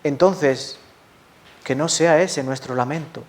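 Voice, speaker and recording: A man's voice: fairly high pitch, slow pace, a little mellow. Impassioned Spanish man preaching a sermon. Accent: Spanish from Spain. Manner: impassioned, asks the congregation questions and answers them himself. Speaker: pastor.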